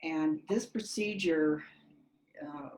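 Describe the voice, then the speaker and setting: A woman author answering an interview question in measured, pausing speech. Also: sits low, darkish tone, slight background noise. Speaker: guest author. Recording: roomy echo.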